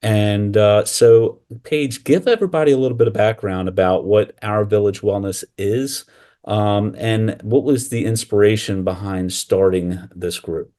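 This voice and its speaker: Casual male podcast host, lowish voice, halting delivery full of fillers. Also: warm tone. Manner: halting, many "uh" fillers and restarts.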